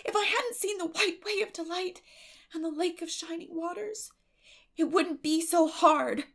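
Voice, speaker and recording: Storybook orphan girl, eleven: high-pitched, breathy, theatrical, eager and emotional. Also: unhurried, a bit bright, heavily acted. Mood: reproachful, wistful.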